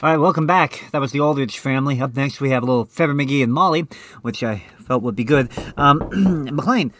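A man's voice: mid-range voice, fairly quick, fairly bright tone, no echo. Dry, close-miked male radio host. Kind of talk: casual comedic radio hosting. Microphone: close studio microphone.

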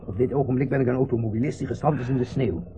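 An actor playing an irritable, overstrained middle-aged factory owner in a radio play, curt, dismissive and sometimes hesitant. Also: male voice, mid-range voice, rapid-fire, lightly acted. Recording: dull, hissy old radio play recording.

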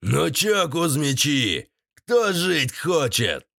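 Audiobook thug: narrator putting on a slow-drawling shaven-headed gang leader, gravelly low, dry close read. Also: male voice, lively intonation, a bit bright, dry recording. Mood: menacing. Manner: drawling crude street slang.

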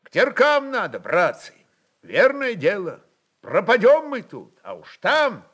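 A male reader performs an earnest Cossack in a radio drama. His voice is high and forceful, rustic in speech, urgently pleading for his plan. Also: huge pitch swings, slow, heavily acted. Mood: insistent.

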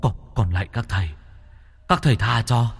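A man's voice: fairly low pitch, normal speed, creaky, slightly rough, big-room sound, exaggerated voice. A man voicing a river water ghost that stammers and begs for mercy. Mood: pleading. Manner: groveling, stammering.

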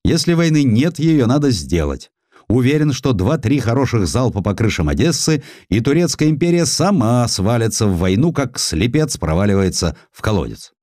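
Man acting a belligerent, commanding German admiral, animated. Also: mid-range voice, moderate pace, no echo, clean studio sound, voice pushed up, close to an everyday voice. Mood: confident, belligerent. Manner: declamatory, emphatic.

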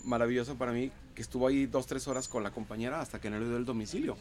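A man with a medium-pitched voice talks in a casual panel conversation. His delivery is reflective and anecdotal, and he unhurriedly shares stories about friends. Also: fairly even intonation, rapid-fire, darkish tone.

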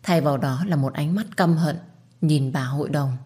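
Woman reading a drama story out loud, low voice, steady and dramatic. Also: normal speed, breathy edge. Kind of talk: scripted narration of an audio story.

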